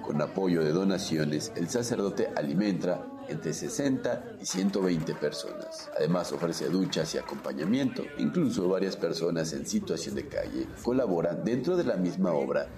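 A man's voice: sits low, animated, moderate pace, hardly any pauses, crowd noise. A male field reporter reading a scripted news report in a formal delivery.

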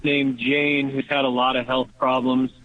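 A man calling in to a radio show, speaking haltingly with many pauses. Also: mid-range voice, flat delivery. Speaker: caller. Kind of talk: phone-in request. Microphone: telephone. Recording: phone line.

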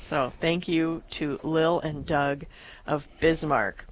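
A woman's voice: sits low, steady tone, slow pace, low-quality recording. A woman hosting a radio pledge drive, upbeat as she thanks donors and reads out the phone number. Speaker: radio host. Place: radio studio.

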